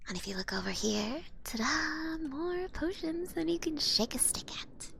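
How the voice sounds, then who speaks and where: A woman playing a cute, sly female goblin potion seller in an ASMR roleplay, smooth-talking and teasing in a soft, half-whispered voice. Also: high voice, lively intonation, a little slow, full character voice. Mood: casual, sly. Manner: smooth-talking, teasing, casual haggler with gentle threats. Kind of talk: ASMR roleplay, hushed and close.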